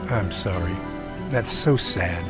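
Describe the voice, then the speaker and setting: A man playing an eager, friendly researcher in an audio drama, with a creaky voice and a chatty, enthusiastic manner. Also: sits low, slow pace, over loud music. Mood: sympathetic. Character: eager, friendly Sasquatch researcher named Jerry. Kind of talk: amateur audio drama acting.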